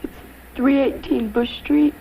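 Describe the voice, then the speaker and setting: An actress playing a shaken, hesitant nineteen-year-old victim speaking haltingly in a 1970s training film. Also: female voice, sits high, steady tone, gravelly, narrow, tinny audio. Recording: faintly noisy old film soundtrack.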